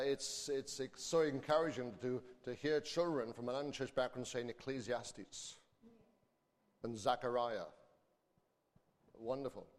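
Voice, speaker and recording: Man, preacher, mid-range pitch, sermon and Bible reading delivery, large echoey church hall. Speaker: preacher and school teacher. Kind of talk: informal sermon, congregation quiz and scripture reading. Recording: echoey hall with long reverb.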